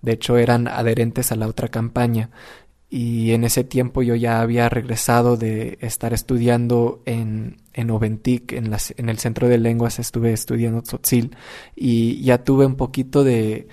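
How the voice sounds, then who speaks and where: Young man, community organizer; mellow and flat, stop-start telling. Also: mid-range voice, moderate pace. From United States. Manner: hesitant, many restarts and fillers. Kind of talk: personal storytelling.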